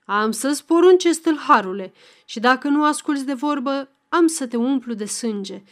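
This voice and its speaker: A woman's voice: high voice, animated. A woman voicing a drunk, furious middle-aged peasant father who bellows threats. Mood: raging.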